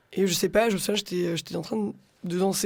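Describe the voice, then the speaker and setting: Her pitch is medium. This woman's pitch moves with ordinary variation. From Brittany, France. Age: 20s. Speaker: DJ. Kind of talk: podcast interview. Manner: hesitant, many fillers.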